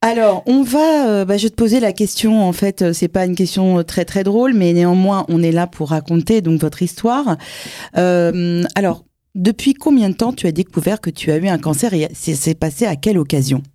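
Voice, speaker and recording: A woman's voice: fairly low pitch, normal speed, dark tone, no echo, studio quality. A woman hosting an interview, enthusiastic and exclamatory in her questions. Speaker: host.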